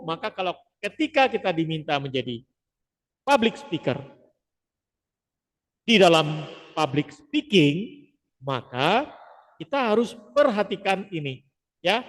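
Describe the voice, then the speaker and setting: A man gives a lecture on public speaking with lively, emphatic stresses and frequent short asides to his listeners. His voice sits somewhat high for a man. The sound carries a long reverb, as if it were recorded in a hall. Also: measured pace, pauses often.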